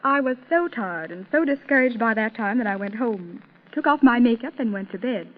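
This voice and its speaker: An eighteen-year-old woman from Salt Lake City chats modestly with an interviewer, her voice sitting fairly high. The sound is thin and tinny, like an old radio broadcast heard over a phone line. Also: lively intonation, moderate pace. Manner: modest and chatty, with light laughs. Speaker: interview guest, contest champion.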